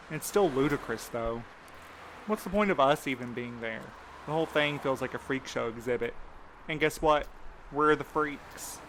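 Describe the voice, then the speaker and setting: A man's voice: medium pitch, normal speed, fairly bright tone, a little hiss or hum, lightly acted, poor audio. A man playing a weary, cynical night-shift worker in an audio drama, complaining with dry sarcasm. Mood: grumbling, sardonic. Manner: sardonic, complaining. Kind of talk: audio drama dialogue, conversational.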